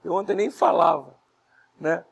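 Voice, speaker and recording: Hoarse lecturer, gravelly voice. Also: male voice, fairly high pitch, slight background noise. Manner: explains step by step, asks the class rhetorical questions; speaks softly and not fast, pausing to breathe. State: hoarse, voice strained after illness. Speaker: university lecturer. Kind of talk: classroom lecture.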